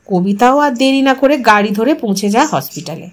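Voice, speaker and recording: A woman reading a scripted story as narrator, in an expressive, reflective way. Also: a little high, normal speed.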